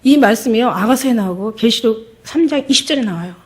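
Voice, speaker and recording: A woman's voice: fairly high pitch, lively intonation, brisk, a little mellow. A middle-aged woman pastor giving an emotional testimony sermon, acting out the voices in her story.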